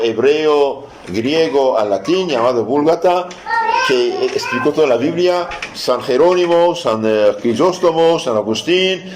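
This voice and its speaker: A man, a priest, giving a catechism lesson, asking rhetorical questions, answering them emphatically and reading scripture slowly and deliberately. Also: a little high, a little mellow. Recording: echoey room with faint noise.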